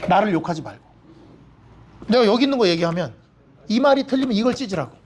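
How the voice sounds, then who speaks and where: A man's voice: high-pitched, very animated, fast, slight background noise. A male pastor preaching a sermon in a church, blunt and plain-spoken, mixing jokes into stern points. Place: church sanctuary.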